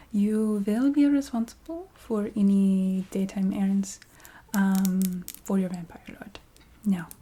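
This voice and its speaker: A woman voicing a chatty, businesslike vampire recruiter in a soft whispered ASMR roleplay. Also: mid-range voice, slightly rough. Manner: hesitant, matter-of-fact, checking in with the listener.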